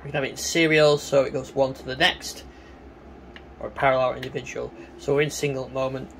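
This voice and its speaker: A man giving a casual, hands-on synthesizer demonstration, talking in a halting way as he works. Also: medium pitch, flat delivery, vocal fry, a little hiss or hum. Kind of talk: casual hands-on gear demo commentary. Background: synthesizer tones.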